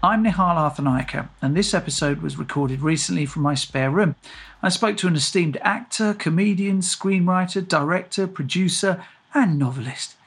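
A man's voice: sits high, normal speed, husky. A man speaking as a podcast host, introducing and interviewing a guest from a room at home.

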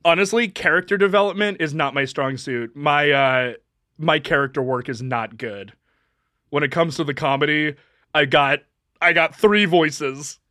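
A woman's voice: sits low, normal speed, fairly bright tone, dry recording, studio quality. A young adult woman co-hosting a casual podcast, rambling and self-deprecating, laughing often. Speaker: podcast co-host. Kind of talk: casual chat.

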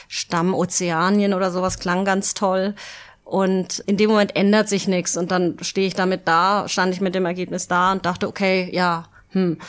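Frau erzählt lebhaft mit vielen Füllwörtern. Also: female voice, medium pitch. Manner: lively storytelling with many fillers. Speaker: guest, travel speaker. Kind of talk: casual interview answers.

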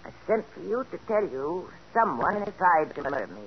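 A stubborn, sharp-tongued old woman of seventy-nine in a 1940s radio drama. She talks in a tart, commanding way. The old broadcast sounds muffled, with a faint hiss behind it. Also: lowish voice, big pitch swings, normal speed. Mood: imperious. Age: older. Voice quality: tart, imperious.

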